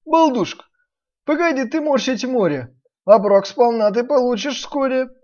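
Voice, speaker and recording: A woman's voice: a little high, lively intonation, normal speed, warm tone, lo-fi sound, voice pushed up. A woman voicing a gloomy, pleading old male sea devil in a fairy-tale reading, wheedling as the character.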